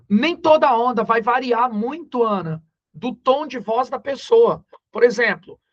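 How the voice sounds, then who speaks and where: A man with a Brazilian accent teaching physics in a recorded lesson. He talks in a slangy, joking way and slows down to stress the key numbers. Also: extremely high pitch, bright, forceful tone, muffled recording. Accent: Brazilian Portuguese.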